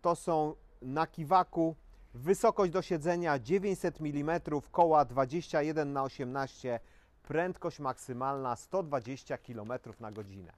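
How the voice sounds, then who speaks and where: A man in his forties presenting a dirt bike to camera outdoors, listing specs in a steady sales pitch with frequent filler sounds. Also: normal speed, no echo. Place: outdoors in front of a shop wall.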